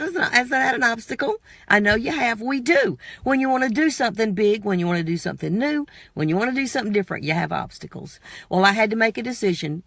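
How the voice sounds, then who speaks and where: A woman's voice: medium pitch, fairly bright tone, no room sound, studio quality. A woman giving a motivational talk in an emphatic, preachy way, repeating phrases and firing questions straight at the listener. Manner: direct address with rhetorical questions. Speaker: motivational speaker.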